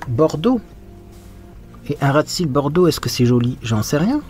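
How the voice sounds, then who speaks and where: A man's voice: mid-range voice, darkish tone. A man talking through his makeup as he applies it, in a frank, chatty get-ready-with-me style, often thinking aloud. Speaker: makeup vlogger. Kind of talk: casual get-ready-with-me commentary.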